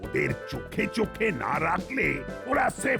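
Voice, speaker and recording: A man's voice: high voice, sing-song, a little slow, vocal fry, exaggerated voice. A man playing a flustered, blustering police boss who stammers in a comedy cartoon. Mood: bossy. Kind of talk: exaggerated cartoon comedy acting. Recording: cartoon music behind the voice.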